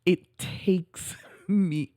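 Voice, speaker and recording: A woman's voice: lowish voice, fairly even intonation, extremely slow, warm tone, dry recording, clean studio sound. A middle-aged woman co-hosting a talk show, chatting casually in an emphatic, effusive way and drawing out words for stress. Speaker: podcast co-host. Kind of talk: casual chat.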